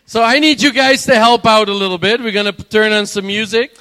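A man hosting a live stage show, presenting informally in short, halting phrases. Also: high voice, steady tone, sharp tone. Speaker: stage show performer and host. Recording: reverberant hall, music behind.

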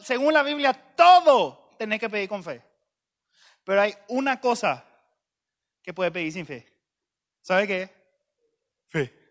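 A man, preaching a sermon as a joking, conversational story with bursts of loud emphasis. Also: high voice.

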